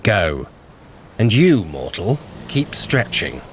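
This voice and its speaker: An actor playing a clever, sly, haughty trickster god in an audio drama, with an arch, theatrical, condescending manner. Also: male voice, fairly low pitch, big pitch swings, slow, slight background noise. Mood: dry, instructing. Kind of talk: scripted audio drama acting.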